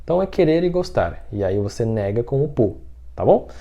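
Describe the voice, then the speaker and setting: A man's voice: mid-range voice, big pitch swings, fairly quick, warm tone, highs cut off. A man teaching an online language lesson, patiently repeating each word and often checking that the listener is following.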